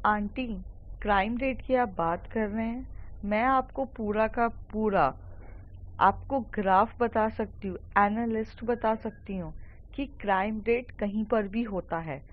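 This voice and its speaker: A woman's voice: mid-range voice, a little slow, phone-quality sound, lightly acted. A woman voicing an argumentative schoolgirl who pleads her case. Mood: pleading.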